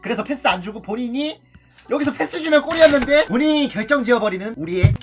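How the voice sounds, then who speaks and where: A man giving comedic, excitable football video game commentary, swearing and yelling out player names. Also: very high-pitched, fast, music in the background. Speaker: gaming YouTuber.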